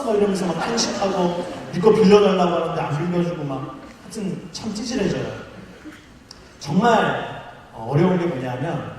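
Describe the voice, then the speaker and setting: A male pastor preaching a sermon to a college group, telling stories in a lively, humorous way. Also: on the high side, slight background noise. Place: large church auditorium. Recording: echoey hall, mic far off.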